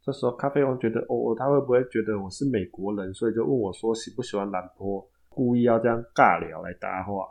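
A man's voice: on the low side, fast, creaky, hardly any pauses, darkish tone. A man with a Taiwanese Mandarin accent hosting a storytelling podcast, narrating casually with chatty asides to his listeners.

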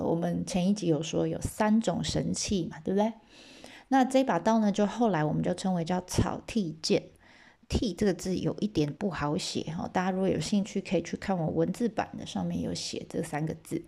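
A woman telling an old legend in a casual, lively way, checking in with listeners and dropping chatty asides. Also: fairly low pitch, vocal fry. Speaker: storyteller.

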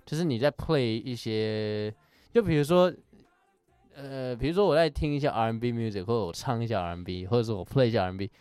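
A man interviewing a singer in a casual chat, animated and mixing English words into his speech. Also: mid-range voice, brisk, clean tone, dry recording. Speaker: interviewer and musician. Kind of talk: casual conversation.

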